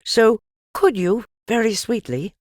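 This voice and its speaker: A woman's voice: fairly high pitch, lively intonation, takes it slowly, darkish tone, no room sound, clean studio sound, voice pushed up. A woman voicing a small, earnest young boy who asks sweetly and eagerly, as a children's storybook character. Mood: sweetly pleading. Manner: earnest, pleading.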